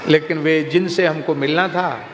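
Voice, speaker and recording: A man's voice: a little high, normal speed. A man delivering a religious discourse, telling stories and anecdotes to his listeners. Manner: storytelling, lively anecdotes. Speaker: katha preacher. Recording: reverberant hall, faint noise.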